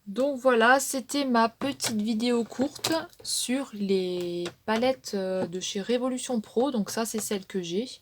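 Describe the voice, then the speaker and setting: A woman's voice: on the high side, measured pace, few pauses, a little hiss or hum. Chatty hesitant woman beauty vlogger. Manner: chatty and hesitant, frequent fillers and trailing "hein". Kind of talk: casual makeup palette show-and-tell.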